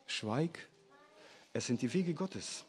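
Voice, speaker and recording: A man preaching in a sermon, voicing a grave male companion who turns out to be an angel, speaking quietly and solemnly. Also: a little high, big pitch swings, slow pace, in a large hall. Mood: stern. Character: mysterious male companion revealed as angel, stern. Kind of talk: sermon storytelling.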